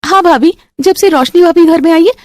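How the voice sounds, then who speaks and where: A woman's voice: very high voice, fairly quick, slight background noise, pitched above the performer's own voice. A woman voicing a timid young unmarried girl who pleads and cries easily in a family story. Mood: pleading. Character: young unmarried sister-in-law, timid and tearful.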